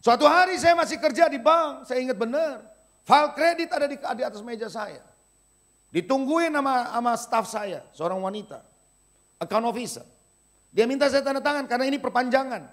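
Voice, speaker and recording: A middle-aged man, a pastor preaching a sermon with animated storytelling. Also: very high-pitched, normal speed. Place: church service.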